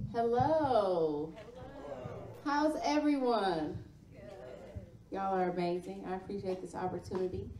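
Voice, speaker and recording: Speaking slowly in an American accent, a woman uses very wide pitch swings and long, frequent pauses, with audible room echo and light background noise. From Milwaukee, Wisconsin. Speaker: spoken word artist. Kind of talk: casual talk to audience. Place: hall. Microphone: camera far.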